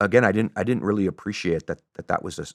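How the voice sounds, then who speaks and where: Delivered at a very fast pace with an American accent, the speech sits on a very clean recording with a silent background. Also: man, dry, close sound with no echo. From US Midwest, Wisconsin. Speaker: retired special forces commander. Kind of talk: interview podcast, life story. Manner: halting, many repetitions and restarts.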